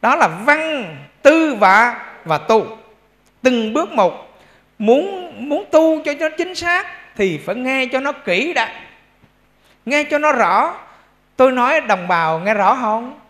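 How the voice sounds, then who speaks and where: A man's voice: extremely high pitch, big pitch swings, slow pace, a bit bright. A male Buddhist monk with a Central Vietnamese accent giving a dharma talk in a temple hall. He talks conversationally, checks in with his audience and adds humorous asides.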